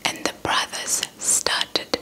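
A young woman telling a story in a breathy ASMR whisper close to the mic, deliberate and softly repeating words. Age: young adult. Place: indoors in front of a dark cloth backdrop. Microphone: handheld small mic with fluffy windscreen, held close.

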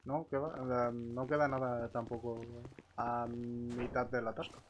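A man chatting casually and a little haltingly with a teammate during an online roleplay game. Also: medium pitch, level tone, a little hiss or hum. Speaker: roleplay gamer.

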